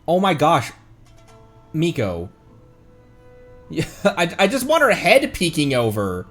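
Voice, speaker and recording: Animated man chatting on a livestream. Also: a little high, slow pace, soft background music. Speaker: streamer. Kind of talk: casual livestream gaming chat with viewers.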